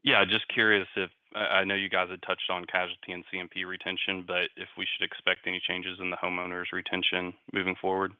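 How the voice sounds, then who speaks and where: A man's voice: low voice, completely flat delivery, fast, few pauses, smooth, dry recording, dull audio. A man asking questions as a financial analyst on an earnings call. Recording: slightly band-limited call audio.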